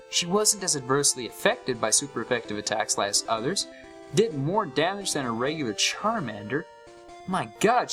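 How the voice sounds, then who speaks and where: A man giving an expressive, scripted first-person narration of a horror story. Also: a little high.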